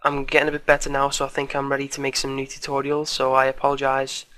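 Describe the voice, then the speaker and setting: A young man with a croaky voice from a cold, teaching programming in a casual, chatty way at a desk mic. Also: medium pitch, monotone, fast, fairly bright tone. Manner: casual, chatty, with fillers and asides. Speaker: programming tutor. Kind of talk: screen-recorded coding tutorial.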